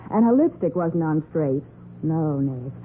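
A faintly noisy, thin 1940s radio recording features a detective's perceptive secretary. Her pitch moves freely as she chats and observes, loyal to her boss. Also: animated, unhurried, narrow, tinny audio. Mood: observant, curious. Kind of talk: 1940s radio crime drama acting.

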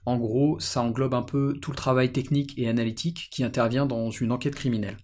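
A man's voice: medium pitch, steady tone, a little fast, a little mellow. A man with a French accent hosting an interview podcast, introducing topics and putting questions to his guest.

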